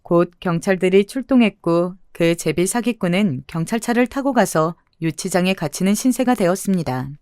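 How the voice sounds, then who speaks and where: A woman reading a dramatized true story as narrator in an even, expressive scripted style. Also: on the low side, moderate pace, few pauses, clear, resonant tone, no room sound, clean studio sound.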